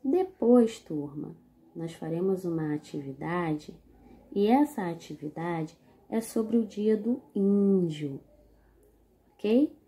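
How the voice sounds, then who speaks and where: A woman's voice: mid-range voice, dark tone. A woman teacher, giving a recorded video lesson and explaining step by step to her class. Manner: slow, deliberate explaining, addressing the class directly.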